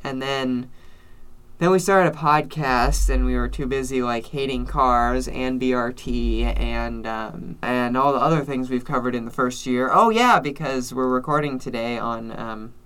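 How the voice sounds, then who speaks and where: Bright-voiced, sarcastic young man. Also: mid-range voice, measured pace, clear, resonant tone. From Idaho, United States. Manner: sarcastic, rambling explainer. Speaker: podcast co-host. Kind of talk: casual podcast chat.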